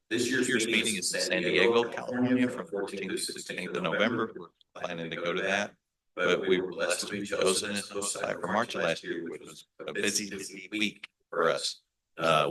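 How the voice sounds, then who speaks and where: A male pastor with a Hispanic American accent, giving a relaxed presentation to a church meeting, with frequent fillers and restarts. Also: low voice. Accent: Hispanic American English. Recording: echoey meeting room.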